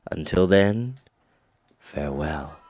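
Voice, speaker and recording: Man putting on a deep, slow, solemn old sage. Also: animated, darkish tone, no echo, highs cut off, full character voice. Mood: solemn farewell. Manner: slow, grave, deliberate.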